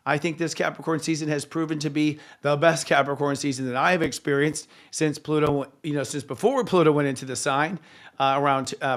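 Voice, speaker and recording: A man with a hoarse voice, hosting a live astrology show in a chatty way, with frequent fillers and self-corrections. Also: fairly high pitch, a bit bright.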